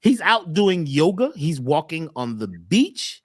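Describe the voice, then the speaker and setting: A man talking as a wellness coach on a talk show, emphatic and repetitive, often jumping high on key words. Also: sing-song, a little slow, no room sound, clean studio sound. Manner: emphatic, repeats phrases, swoops up on key words. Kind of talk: animated talk-show conversation.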